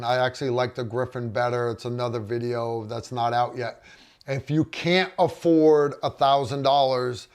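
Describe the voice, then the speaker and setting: A man's voice: medium pitch, clean tone. A middle-aged man hosting a casual livestream, reading viewer comments and rambling with frequent restarts. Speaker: livestream host.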